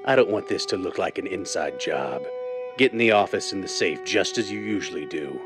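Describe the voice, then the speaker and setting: A man's voice: low voice, animated, fairly quick, over music. A man playing a commanding, calculating crime boss in a 1930s-style radio drama. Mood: cold, commanding. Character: shrewd blind male crime boss giving orders.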